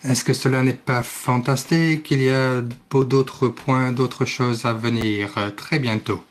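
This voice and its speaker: A man interpreting live at a formal meeting, speaking haltingly as he searches for words and corrects himself. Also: mid-range voice, steady tone. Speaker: simultaneous interpreter.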